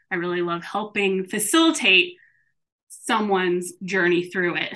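A woman with a normal speaking voice at a medium pitch, at a moderate pace, with ordinary pitch variation. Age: 30s. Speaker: personal trainer and nutrition coach. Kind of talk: casual interview chat.

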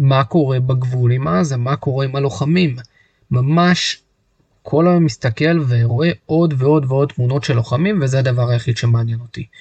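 A somewhat breathy voice moves at a moderate pace with ordinary pitch variation. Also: man, medium pitch for a man. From southern Israel, Netivot. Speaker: podcast host, former army officer, educator. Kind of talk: solo monologue podcast.

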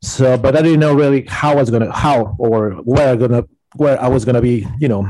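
A man talks with a Spanish accent at a fairly quick pace. His medium-pitched voice has a dark, mellow tone. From Mexico City. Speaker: Spanish-language hockey broadcaster. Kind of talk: casual interview.

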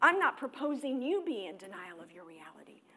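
The woman's voice sits high and has a bright, sharp tone. She speaks at a moderate pace. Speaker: guest preacher. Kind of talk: sermon. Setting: church stage with mic.

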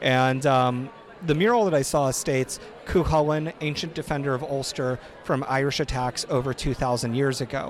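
Speaking at a moderate pace, a man is heard over noticeable background noise. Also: fairly high pitch for a man, ordinary pitch variation. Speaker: student researcher. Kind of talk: interview. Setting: live event with crowd.

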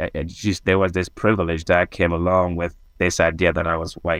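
In a Gabonese accent, a man speaks at a moderate pace with a very deep, low pitch against a quiet background. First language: French. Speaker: civil rights advocate. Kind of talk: casual interview. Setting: video call.

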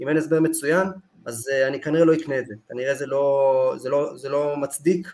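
A man's plain, everyday voice, fairly high in pitch, with fairly even intonation and a fairly quick pace. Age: 30s. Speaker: startup CEO and real estate investor. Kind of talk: interview.

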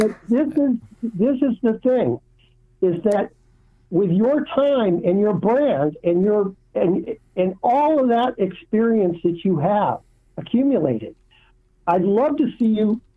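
Speaking at a very slow pace, a man with a high pitch keeps very even loudness and lively intonation. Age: 60s. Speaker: caller. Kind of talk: phone-in chat. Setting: phone call.

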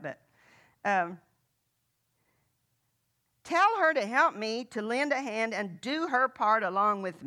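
A woman puts on a whiny character voice with a fairly high pitch and lively intonation. She speaks at a very slow pace, with long, frequent pauses. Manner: whiny, self-pitying.

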